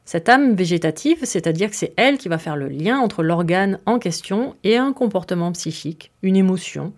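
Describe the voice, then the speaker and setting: A woman's voice: lowish voice, lively intonation, moderate pace, a little mellow. A woman hosting a podcast, explaining her topic in a chatty, casual way with fillers and little asides. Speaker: podcast host.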